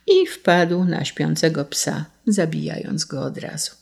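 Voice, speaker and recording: Woman narrator, fairy tale read aloud, very slow, low voice with fry. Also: a little mellow. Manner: slow, measured, deliberate. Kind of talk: storybook reading.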